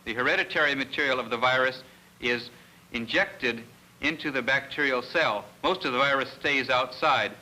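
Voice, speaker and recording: A man, a research scientist, giving an educational lecture in a measured, didactic way with pauses mid-sentence. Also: medium pitch, sharp tone, low-quality recording.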